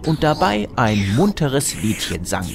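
A man's voice: mid-range voice, big pitch swings, unhurried, vocal fry, noisy background. A man narrating a scripted comic story in a wry, tongue-in-cheek manner.

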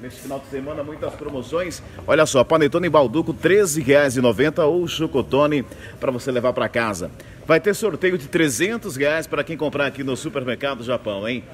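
Hard-sell supermarket pitchman, noisy store. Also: normal speed. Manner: hard-sell ad delivery, urging and repetitive. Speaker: supermarket promotional announcer. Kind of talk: live in-store advertising pitch. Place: large supermarket floor, indoors. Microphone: handheld microphone, phone video. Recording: clear store ambience noise.

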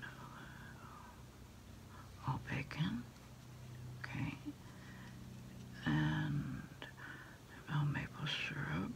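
Slow, whispering middle-aged ASMR woman. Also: deep voice, very animated, creaky. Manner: unhurried, hushed, speaking into a handset. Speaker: ASMR roleplayer taking food delivery orders. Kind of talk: whispered ASMR phone order roleplay. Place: small indoor desk space.

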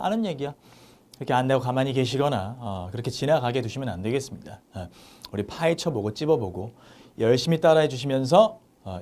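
Male tutor for a mini lecture, animated delivery, mellow voice, deliberate on key phrases. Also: mid-range voice. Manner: animated, slows down and stresses English example phrases. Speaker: English teacher. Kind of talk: lively mini English lecture.

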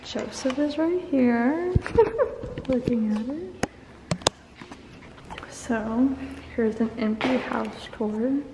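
A young woman narrates a casual walk-through vlog with a camera at arm's length. She talks slowly, a little high, and giggles between remarks. Bare, echoey rooms ring around her voice. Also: lively intonation, background noise. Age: young adult. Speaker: vlogger. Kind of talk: casual vlog, house tour. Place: car, then empty house with bare rooms. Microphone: handheld camera at arm's length.

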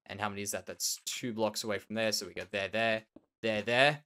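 Low-leaning, steady, and brisk, the voice sounds pushed and bright. It belongs to an Australian let's play host whose nasal, slightly tender delivery drifts into musing and repeated words as he casually talks through his Minecraft construction.

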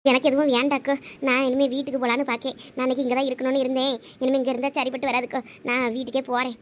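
A tearful, resentful village mother with a Thoothukudi accent, played by a woman in a village drama. Her voice sits lower than the housewife's and moves quickly through her grievances. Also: level tone, slight background noise, lightly acted. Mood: aggrieved. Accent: Thoothukudi Tamil. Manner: complaining, tearful.

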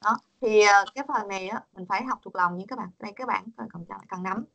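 A woman's voice: mid-range voice, quick pace, vocal fry, fairly bright tone. A woman teaching a Korean pronunciation lesson over a video call, patient and coaxing, repeating words for her students.

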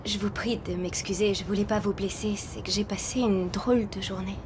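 A woman's voice: medium pitch, steady tone, moderate pace, background noise, lightly acted. An actress dubbing a young woman film star who hides her fame, talking in an evasive, playful way. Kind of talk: French dub of a TV film.

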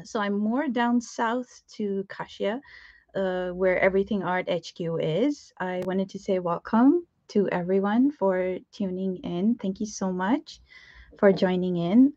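A woman in her thirties from Pakistan with a Pakistani English accent, chatting warmly with live viewers as she hosts a craft lesson from her home studio, filling her talk with ums and quick laughs. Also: mid-range voice, no echo. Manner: bubbly, greets viewers, frequent laughs and fillers. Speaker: art teacher hosting a live stream. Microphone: webcam at desk. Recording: dry, slightly dull webcam audio.

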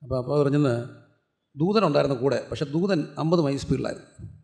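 A man's voice: medium pitch, brisk, vocal fry, darkish tone. A man with a Malayali accent preaching a sermon, asking questions and answering them himself. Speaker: pastor. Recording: echoey hall.

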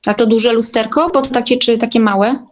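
Higher-voiced woman chatting casually. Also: fairly even intonation, normal speed. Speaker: guest. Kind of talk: casual online discussion.

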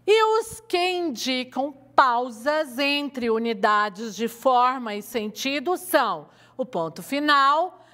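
A woman's voice: high-pitched, bright, forceful tone, big-room sound. A woman teacher with a Brazilian accent from Goiás, giving a televised lesson and coaxing her students with questions. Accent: Brazilian Portuguese, Goiás.

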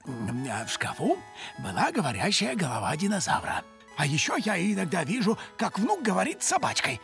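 A man voicing a befuddled, cranky old grandfather in a cartoon, muttering and stammering excitably. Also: high-pitched, brisk, creaky, soft background music, exaggerated voice. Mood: cranky, earnest. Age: older. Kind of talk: animated cartoon acting.

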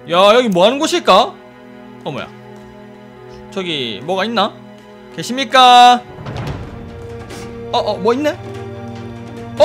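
A man giving playful, jokey commentary while playing a game, talking to the characters and bursting into loud excited exclamations, with game music behind him. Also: very high voice. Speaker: game streamer. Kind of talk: casual gameplay commentary.

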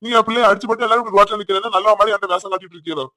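A man's voice: sits high, steady tone, rapid-fire, sharp tone. A man voicing a hot-tempered older village father in a cartoon, angry and threatening in a Tirunelveli Tamil accent. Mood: furious.

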